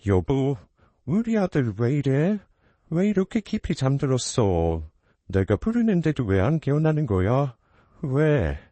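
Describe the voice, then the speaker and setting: A man's voice: medium pitch, big pitch swings, unhurried, dark tone, no echo. A man voicing a middle-aged mother in shock, pleading in disbelief. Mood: bewildered.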